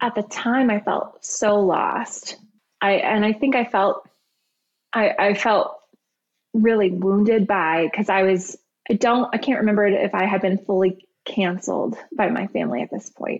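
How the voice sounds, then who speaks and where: A woman's normal speaking voice, with ordinary pitch variation and a fairly slow pace. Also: medium pitch for a woman. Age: 30s. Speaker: illustrator and graphic designer. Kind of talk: casual chat.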